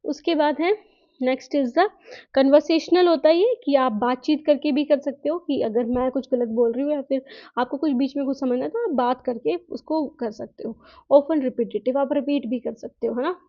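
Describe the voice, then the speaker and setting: A woman teacher gives a recorded lecture, mixing Hindi and English, reading points slowly and then explaining them in a chatty way with frequent tag questions. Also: sits high. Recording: dull lo-fi recording.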